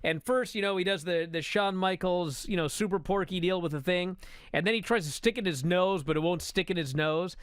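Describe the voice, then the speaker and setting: A man co-hosting a podcast, excitedly recounting wrestling moments and swearing freely. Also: high voice, brisk, smooth, no room sound, studio quality. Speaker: podcast co-host. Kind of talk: casual wrestling recap chat.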